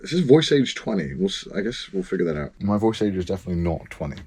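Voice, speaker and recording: A man with a husky voice chatting casually as a podcast host and voice actor. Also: deep voice, big pitch swings, fast, a little mellow, a little hiss or hum. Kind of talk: casual chat.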